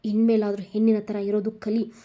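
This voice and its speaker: Woman reading angry young male hero, fast harsh lecturing, storybook. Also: medium pitch, monotone, warm tone, lo-fi sound, natural voice. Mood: angry scolding. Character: angry young man scolding a girl.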